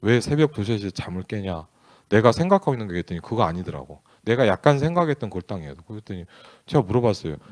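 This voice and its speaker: This is a storytelling sermon in which a male pastor recounts a family story, conversational and candid, performing bits of the dialogue himself. He talks very fast in a fairly low, sing-song voice, captured in a dry recording.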